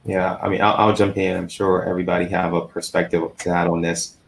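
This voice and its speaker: A man on an investor panel, speaking haltingly with frequent restarts. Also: sits low, level tone, vocal fry, slight background noise. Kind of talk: panel discussion.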